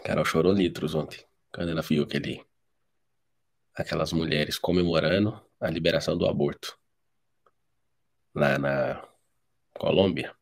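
A low-voiced Brazilian man preaching a live devotional. His voice is gravelly and husky, with a lot of fry. He tells stories in a blunt, direct way. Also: fairly even intonation, moderate pace, pauses often. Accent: Brazilian Portuguese.

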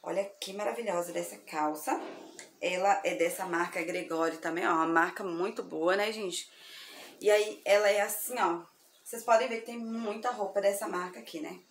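A woman from Brazil selling thrift clothes online, chatty and effusive, her voice slightly hoarse from sleepiness. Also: medium pitch, normal speed. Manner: chatty, effusive, addresses viewers as girls. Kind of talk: casual product showcase. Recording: echoey room with faint ambient noise.

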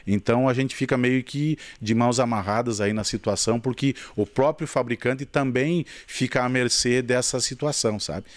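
A man's voice: mid-range voice, normal speed, few pauses, no room sound. A man in his fifties with a medium voice talks to a reporter in a warehouse storeroom. He speaks conversationally, lists items one by one and often adds a little "you know" to his points. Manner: conversational, listing items, tags with sabe. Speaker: municipal pharmacist. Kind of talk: news interview answer. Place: storeroom of a pharmaceutical depot, indoors. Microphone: handheld reporter mic.

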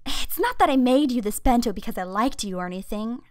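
A woman's voice: on the high side, lively intonation, fairly quick, pitched below the performer's own voice, lightly acted. A woman voicing a prickly, scolding tsundere anime schoolgirl. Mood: huffy. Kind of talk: anime character voice acting.

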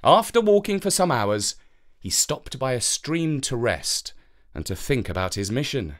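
A storyteller reading a scripted children's fairytale with expressive, careful phrasing. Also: medium pitch, a little slow.

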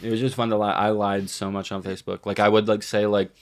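Low, creaky-voiced young man chatting. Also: flat delivery, fast talker. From Texas. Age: 20s. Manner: slangy, sweary, opinionated. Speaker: podcast co-host. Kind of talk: casual chat. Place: small room, indoors. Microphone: podcast microphone on boom arm.

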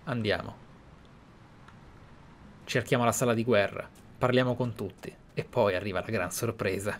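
A man's voice: on the low side, normal speed. A man with an Italian accent giving casual, musing, enthusiastic gameplay commentary as the host. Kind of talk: casual let's play commentary. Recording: clear background game ambience noise. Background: game ambience.

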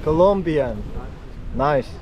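A man's voice: on the high side, expressive, takes it slowly, highs cut off, background noise. A Korean man in his late twenties, a travel vlogger chatting in simple English with a Korean accent and laughing often, recorded outdoors on an action camera. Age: late 20s. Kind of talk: casual chat with strangers. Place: outdoors on a beach and a town street. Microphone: action camera, no separate mic.

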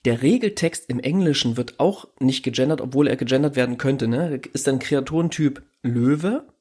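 A man's voice: medium pitch, moderate pace, darkish tone, husky. Rambling German podcast co-host, man. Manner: thoughtful, rambling with many fillers and restarts. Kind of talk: casual podcast chat.

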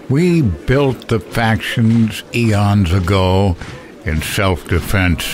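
An actor playing a weary, ancient and proud duke of hell in an audio drama, delivering a solemn, grandiose monologue. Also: male voice, on the low side, slight background noise. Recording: music under the voice.

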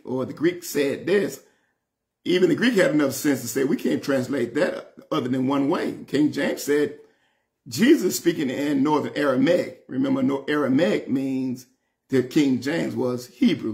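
A man's voice: mid-range voice, gravelly. A man in his sixties with a Southern US accent, teaching Bible study in an emphatic, folksy way, repeating phrases and calling on listeners. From Southern United States. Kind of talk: informal Bible study sermon, reading and explaining scripture. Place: indoor room at home, seated before French doors.

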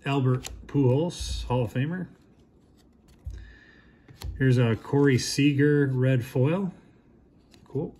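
A man in his thirties giving casual, low-key commentary while opening packs at a shop counter, naming each player as it comes up. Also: slow pace, pauses often, warm tone, breathy edge.

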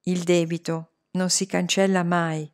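A woman voicing a serious boy who speaks softly and gravely. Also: mid-range voice, a little slow, natural voice. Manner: quiet, grave. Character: quiet serious boy, wise beyond years.

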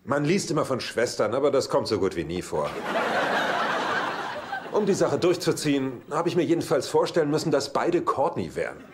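A man's voice: mid-range voice, big pitch swings, normal speed, a crowd in the background, lightly acted. An actor in a German sitcom dub playing a roguish womanizing bachelor, dry, flippant and shameless. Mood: rueful. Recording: TV soundtrack with faint noise.

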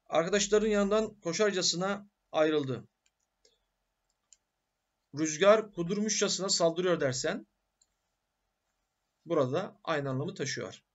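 A man's voice: high-pitched, dull audio. A male teacher giving a grammar lecture who asks questions and answers them himself.

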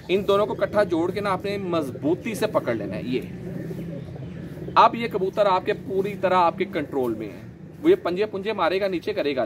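A man, gently explaining his pigeon keeping in a casual vlog, a little hoarse from a sore throat. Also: fairly high pitch, background noise. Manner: chatty, gentle, explains while handling birds. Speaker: pigeon keeper vlogger. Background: pigeons cooing.

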